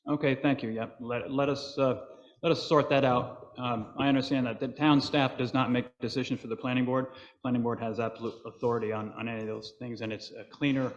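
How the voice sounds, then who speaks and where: A plainspoken man chairs a public planning board meeting, calling for motions and counting votes. His mid-pitched voice carries a long reverb from the large meeting hall. The recording sounds dull and muffled. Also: fairly even intonation, brisk, hardly any pauses. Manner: procedural, plainspoken.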